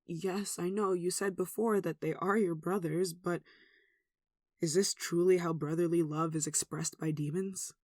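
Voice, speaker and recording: A performer playing a devout, tender human devoted to a demon in an ASMR roleplay, speaking softly and earnestly with emotion. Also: medium pitch, steady tone, a little slow, no echo, clean studio sound, lightly acted. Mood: relieved, concerned. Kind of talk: ASMR roleplay, one-sided dramatic dialogue.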